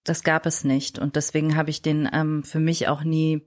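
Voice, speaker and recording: This woman's voice sits deep and low as she tells her personal story in a podcast interview. She speaks reflectively and often breaks off mid-sentence to find the right word. She grew up in Germany and sounds like it is her own everyday talk. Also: monotone, moderate pace. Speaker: interview guest.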